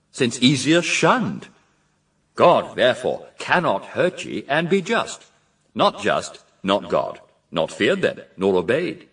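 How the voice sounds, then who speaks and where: Radio drama serpent: seductive, impassioned, persuasive, very low and slow, slightly distant. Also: male voice, fairly bright tone, slightly rough, exaggerated voice. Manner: theatrical, impassioned, rhetorical questioning. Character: sly male serpent tempter, seductive, grandiose, persuasive. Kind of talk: classical verse radio drama acting.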